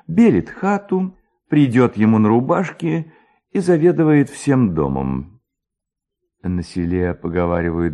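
Low-voiced man narrating with sweeping, animated intonation. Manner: expressive, dramatic storytelling. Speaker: narrator, literary reader. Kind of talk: theatrical literary narration.

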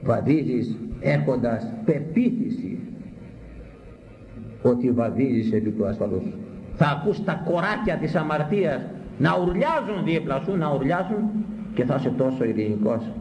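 A man preaching a sermon, repeating words for emphasis and swinging between high exclamations and low, grave phrases. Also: animated, a little mellow. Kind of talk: sermon on a Bible passage. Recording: echoey hall, faint background noise.

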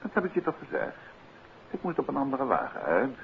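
An actor playing an unruffled gentleman detective and teasing husband in a 1950s radio play, wry and courteous. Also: mid-range voice, wildly swooping pitch, brisk, vocal fry. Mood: teasing, relaxed. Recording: muffled, hissy 1950s radio recording.

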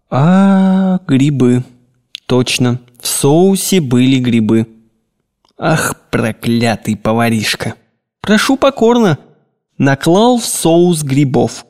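A man reading an audiobook, voicing a grumbling, tyrannical old gentleman with a nagging, theatrical way of talking. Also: mid-range voice, very animated, slow, pauses often. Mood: anxious.

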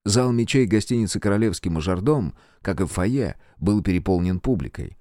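A man narrating a novel in a measured, expressive storytelling manner. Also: lowish voice, dry recording, studio quality. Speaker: audiobook narrator. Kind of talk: scripted narration.

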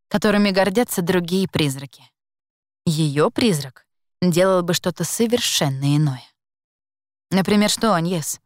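A woman reads a first-person story in a calm, measured way, her voice sitting a little low. The sound is dry and close, with no room around it. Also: no echo. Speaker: audiobook narrator. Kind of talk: scripted first-person narration.

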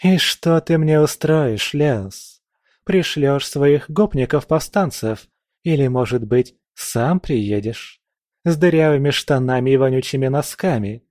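A man's voice: mid-range voice, expressive, a little slow, no room sound, studio quality, pitched above the performer's own voice, lightly acted. A man voicing a haughty, scornful young princess who mocks and barks orders. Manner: mocking, imperious, shouting.

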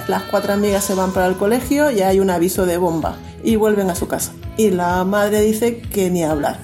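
A woman hosting a relaxed radio chat, chatty and quick to laugh, often starting a sentence over. Her voice sits at an ordinary middle pitch. Music plays clearly beneath her. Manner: chatty, laughs easily, many restarts. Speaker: radio host. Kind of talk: casual radio chat reviewing a series.

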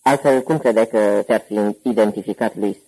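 A hoarse, jovial old gangster uncle from a storybook thriller, put on by a male reader. The voice sits a touch higher than the narrator's own, yet stays gravelly, husky and dark. He rambles boisterously through his stories. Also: low-quality recording. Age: older.

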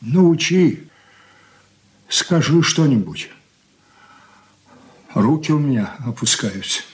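Older merchant patriarch, stern then broken, unhurried, radio drama. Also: male voice, medium pitch, animated. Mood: despairing. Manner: slow, heavy, brooding delivery. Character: aging stern merchant father, weary and grief-worn. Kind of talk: 1980s studio radio drama acting.

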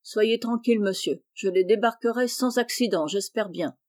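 A woman's voice: mid-range voice, normal speed, a little mellow, close to an everyday voice. A woman reading as a courteous coach driver.

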